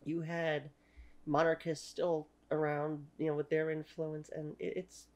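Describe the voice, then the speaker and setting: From a small room at home, a woman in her thirties presents an opinionated, talking-head history lecture for her channel, sprinkled with "you know." Her first language is French and her accent is Canadian. She speaks at a measured pace with a low, flat, darkish voice.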